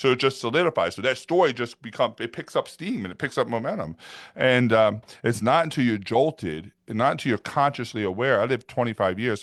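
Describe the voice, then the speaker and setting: A man talks at a fairly quick pace in a New York accent, his pitch medium and his intonation lively. The recording is very clean, with a silent background. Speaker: author and speaker. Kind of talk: interview. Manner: slurred enunciation.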